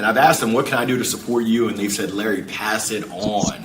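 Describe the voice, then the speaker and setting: The speaker has an animated tone and ordinary pitch variation, with noticeable background noise and audible room echo. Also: man. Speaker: professional speaker and sales trainer. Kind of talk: interview conversation. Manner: high-energy, animated.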